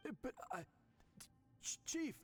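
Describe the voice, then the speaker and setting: An actor playing an earnest, nervous young tribal priest in an anime game, formal and prone to stammering. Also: male voice, unhurried, faint music behind, natural voice. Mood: flustered.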